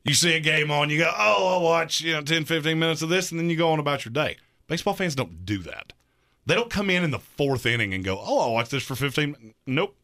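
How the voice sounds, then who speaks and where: Thirties male sports radio host, argumentative, bright and animated. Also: a little high, fast talker. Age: 30s. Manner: emphatic, argumentative.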